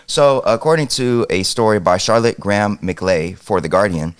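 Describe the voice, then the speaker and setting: Male co-host, lower register, upbeat segment lead-ins and news reads. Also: expressive, normal speed, clean tone. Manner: upbeat, steering the show's segments. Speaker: podcast co-host. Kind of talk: reading news headlines and casual chat.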